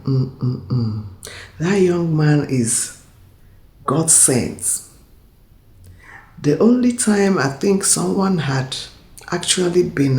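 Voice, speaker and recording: A woman reacting to a video in casual commentary, thoughtful and hesitant with pauses. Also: very deep voice, darkish tone. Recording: echoey room.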